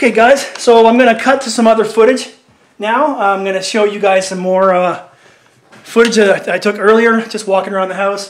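This man's high voice moves at a fairly quick pace with fairly even intonation. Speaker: urban explorer vlogger. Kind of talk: casual vlog chat. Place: home room. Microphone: phone near.

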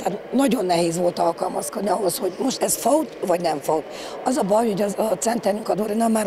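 At a fairly quick pace, a woman talks over light background noise. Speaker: basketball club coach. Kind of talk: interview answer. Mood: calm, reflective after match. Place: hall. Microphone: handheld.

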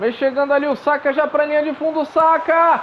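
Noticeable background noise surrounds a man whose pitch is extremely high for a man. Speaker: gaming youtuber. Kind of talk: gameplay commentary. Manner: animated.

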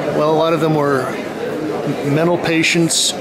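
A man against crowd noise in the background. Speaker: art critic vlogger. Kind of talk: commentary. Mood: calm reflective. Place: hall. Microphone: phone near.

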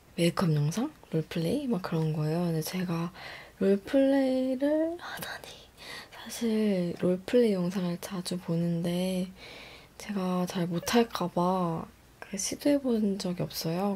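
A soft-spoken, somewhat breathy woman's voice, dark and mellow in tone, very slow, with lively intonation. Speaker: ASMR creator. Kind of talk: casual role-play chat. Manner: soft, hushed close-mic ASMR talk. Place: home room. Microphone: studio mic.

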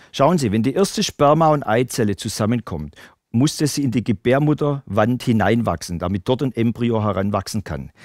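Lively intonation and a moderate pace come through in a Swabian accent. The sound is dry with no echo, over a quiet background. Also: man, medium pitch for a man. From Swabia, southwestern Germany. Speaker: cancer researcher and speaker; lecturer. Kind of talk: public lecture. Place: stage.

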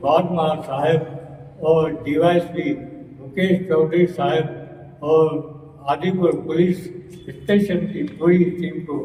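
Against noticeable background noise, a man with a fairly high pitch speaks in a monotone, flat intonation. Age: 80s+. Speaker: retiree, fraud victim. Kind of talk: testimony.

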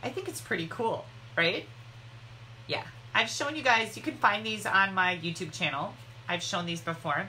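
With an American accent, a woman talks at a moderate pace and medium pitch, her tone animated and her pitch swinging very widely. She leaves long, frequent pauses, and background noise is noticeable. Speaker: craft demonstrator. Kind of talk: casual live stream chat. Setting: Facebook live video from home. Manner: chatty, animated.

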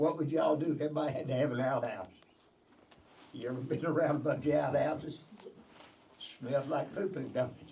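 With a Texas accent and a fairly high pitch, a man talks at a fairly quick pace broken by long, frequent pauses, amid audible room echo. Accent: Texas rural. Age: 80s+. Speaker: water and wastewater operator. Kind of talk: heated debate. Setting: city council meeting. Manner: animated.

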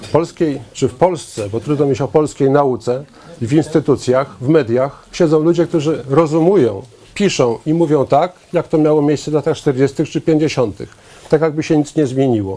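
With ordinary pitch variation, this man's speech proceeds at a moderate pace. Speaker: speaker. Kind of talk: public talk to an audience. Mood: earnest, critical. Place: shop. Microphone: handheld.

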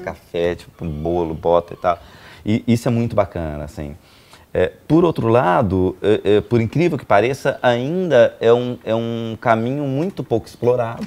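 A man speaks at a moderate pace and a medium pitch. His pitch swings very widely. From Minas Gerais, Brazil. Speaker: long-distance walker. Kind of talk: interview answer. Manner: hesitant, casual. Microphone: lapel.

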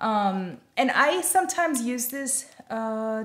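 The voice makes very wide pitch swings over a quiet background. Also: woman. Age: 40s. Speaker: lifestyle and sewing YouTuber. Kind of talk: tutorial. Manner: casual, conversational with frequent fillers. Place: home room. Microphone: phone near.

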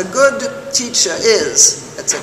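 With light background noise and audible room echo, a woman is heard speaking. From France. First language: French. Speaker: professor. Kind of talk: interview. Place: hall. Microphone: handheld.

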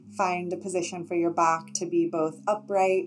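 Over music in the background, a woman talks in a monotone with flat intonation and a fairly low pitch. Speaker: meditation guide. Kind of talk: guided meditation. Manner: slow, soft-spoken. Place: home room. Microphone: webcam.

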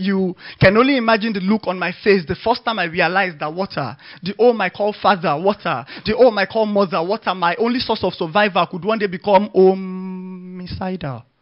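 Against a quiet background, a man talks at a fairly quick pace in a high voice with ordinary pitch variation. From Nigeria. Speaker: spoken word poet. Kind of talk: live spoken word poetry performance addressed to his child. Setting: stage with live open mic audience. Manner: rhythmic, incantatory delivery with repeated refrains; building, exhortative intensity with emphatic commands.

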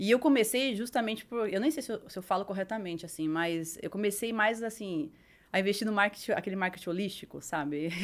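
Her pace is fairly quick. The woman's pitch moves with ordinary variation. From Brazil. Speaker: harpist; podcast guest. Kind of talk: casual interview chat. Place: studio. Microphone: studio mic.

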